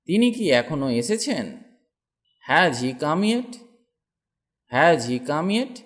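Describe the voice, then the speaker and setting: A man teaching English, saying a sentence in Bengali and then repeating its English version twice, slowly and clearly. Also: fairly high pitch, big pitch swings, a bit bright. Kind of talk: slow drilled sentence practice.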